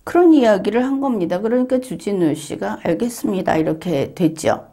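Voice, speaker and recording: A woman commentator giving a solo monologue. She talks in a measured, explanatory way with frequent hesitation fillers and retells an interview exchange step by step. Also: medium pitch, lively intonation, mellow. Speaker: legal and political commentator.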